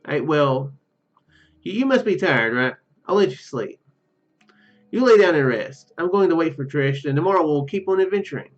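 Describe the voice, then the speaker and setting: A man's voice: fairly high pitch, lively intonation, normal speed, highs cut off, lightly acted. A man voicing a shy, kind young female mage from a visual novel, speaking hesitantly and earnestly. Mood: shy, caring.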